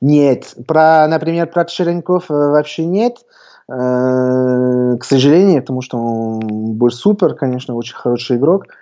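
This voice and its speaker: A man talks in a French accent at a very slow pace. His pitch sits fairly high. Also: ordinary pitch variation. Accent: French-accented Russian. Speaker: football writer. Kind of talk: interview. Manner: halting.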